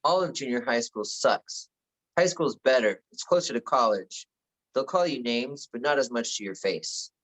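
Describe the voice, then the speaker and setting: A man's voice: medium pitch, expressive, normal speed, a bit bright, rough recording. A man playing a jaded, dismissive teenage older brother in a screenplay table read, talking bluntly.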